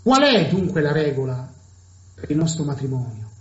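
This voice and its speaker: A man preaches a sermon with a slow, emphatic delivery, setting key words apart with pauses. His voice sits fairly high for a man. The recording is echoey and somewhat dull, as if taken in a big room. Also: big pitch swings.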